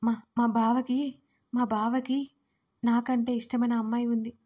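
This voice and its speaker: A woman's voice: on the high side, flat delivery, mellow, close to an everyday voice. A woman reading as a tearful young wife. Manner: halting, stammering speech. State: crying. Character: young woman sobbing over her husband.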